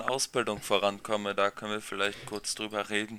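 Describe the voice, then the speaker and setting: This man's voice has a bright, sharp tone and a fairly low pitch, delivered at a moderate pace. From Münsterland, North Rhine-Westphalia, Germany. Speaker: podcast guest. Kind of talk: casual chat.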